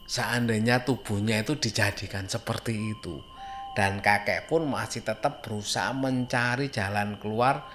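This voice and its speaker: A man narrates a horror story informally, in a halting way with dramatic pauses and rhetorical questions. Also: on the low side, fairly bright tone, a little hiss or hum.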